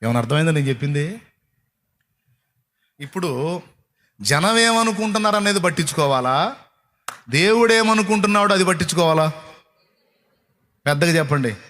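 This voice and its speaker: A man's voice: on the high side, lively intonation, moderate pace, long pauses, fairly bright tone. A man preaching a sermon to a congregation, emphatic and repetitive, firing rhetorical questions. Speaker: pastor.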